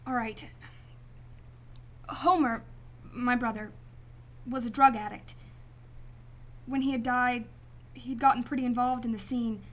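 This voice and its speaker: A woman's voice: on the high side, fairly even intonation, a little slow, pauses often. A woman playing a guarded, determined client in a sci-fi radio drama, speaking earnestly, firmly and formally. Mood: grave. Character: determined, guarded female client seeking her brother's killer. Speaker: actress in a radio play.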